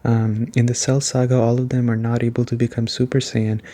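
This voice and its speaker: A soft-spoken, relaxed man giving an ASMR-style video game review as a casual chat. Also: medium pitch, brisk. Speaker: gaming video host.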